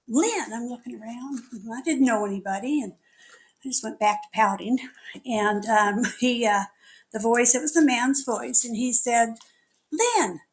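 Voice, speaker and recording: A middle-aged woman minister delivering a sermon, telling a personal story in a chatty, candid way and laughing at herself. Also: fairly high pitch. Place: spiritual center meeting hall.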